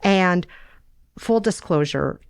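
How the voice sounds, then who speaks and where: A woman's voice: on the low side, lively intonation, slow, clear, resonant tone, dry recording. Woman chatting in a dry, close sound. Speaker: podcast co-host. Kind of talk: relaxed casual chat.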